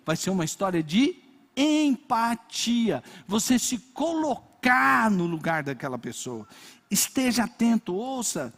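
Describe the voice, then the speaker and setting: An older man with a Brazilian accent preaching a sermon, telling personal stories in a lively way and acting out little scenes. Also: high-pitched, takes it slowly, vocal fry, big-room sound. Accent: Brazilian Portuguese. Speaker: pastor.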